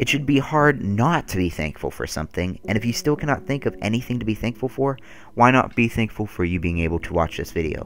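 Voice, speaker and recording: His pitch swings very widely as he talks. The man delivers his words at a very fast pace. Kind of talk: personal commentary monologue.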